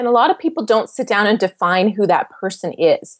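An ordinary speaking voice comes with a Canadian accent and lively intonation. The pace is moderate, and the background is quiet. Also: woman. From western Canada. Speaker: real estate investor and sales expert. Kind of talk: podcast interview.

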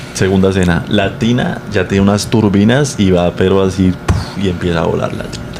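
Music plays in the background as a man with a fairly low pitch talks at a fairly quick pace. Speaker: stand-up comedian. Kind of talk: casual chat. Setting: live stream.

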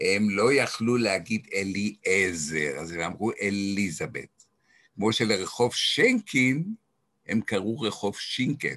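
Here a man speaks at a very slow pace in a bright, sharp tone. His pitch is fairly low, with ordinary variation. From Tel Aviv, Israel. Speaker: theatre professor and poet. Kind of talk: interview.

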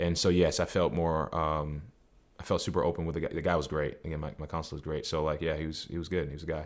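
On a very clean recording with a silent background, a man talks very fast in a very deep, low pitch with monotone, flat intonation and a slight Boston accent. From New England, Boston area. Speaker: personal trainer and fitness coach.

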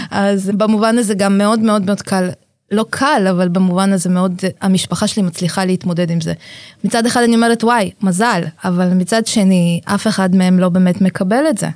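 A woman talks at a moderate pace in an ordinary speaking voice. Her loudness stays very even, and her intonation is fairly even too. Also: medium pitch for a woman. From Russian-speaking immigrant family in Israel. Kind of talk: casual chat. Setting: studio.

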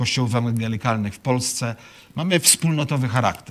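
With a bright, sharp tone, a man speaks at a medium pitch with ordinary pitch variation. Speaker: pastor and psychologist. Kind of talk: lecture.

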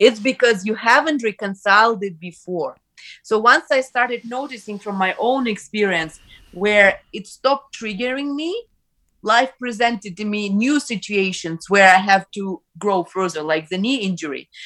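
A woman with a Ukrainian accent speaks at a moderate pace and fairly high pitch, her tone bright and sharp, with lively intonation and big swings in loudness. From Ukraine. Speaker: spiritual podcaster and poet. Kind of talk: casual chat.

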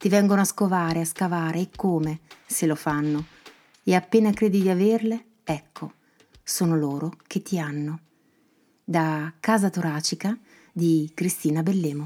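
A dark, mellow tone moves at a fairly slow pace with ordinary pitch variation and long, frequent pauses, over a very clean recording with a silent background. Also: woman, fairly low pitch for a woman. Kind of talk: poetic spoken word, lyrical reading of literary prose. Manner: slow, measured, intimate and evocative, with deliberate pauses.

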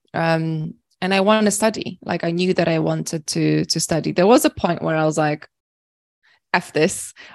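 A woman with a Polish accent talks at a moderate pace, her fairly low pitch held in a fairly even intonation. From Poland. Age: 30s. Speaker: marketing director and dance studio founder. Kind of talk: casual interview chat.

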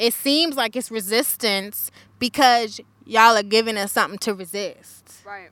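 In an American accent, a woman with a fairly high pitch and a bright, sharp tone speaks at a moderate pace with ordinary pitch variation and big swings in loudness, on a very clean recording with a silent background. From South Carolina, Gullah Geechee community. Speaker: historical interpreter and graduate student. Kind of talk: interview. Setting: outdoors in a park.

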